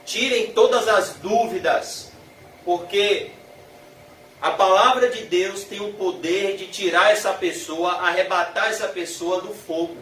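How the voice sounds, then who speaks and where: A man with a Brazilian Portuguese accent preaching a sermon, emphatic, stretching his phrases slowly as his passion rises. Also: high voice, a bit bright, a little hiss or hum. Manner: emphatic, drawn-out slow phrases rising in passion. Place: church hall. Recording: echoey hall, mic from far off.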